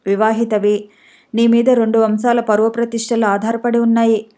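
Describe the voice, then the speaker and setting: A woman reading the part of a grieving, resigned young man who drinks, in a subdued and gentle way, in an audiobook story. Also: a little high, flat delivery, normal speed, lightly acted.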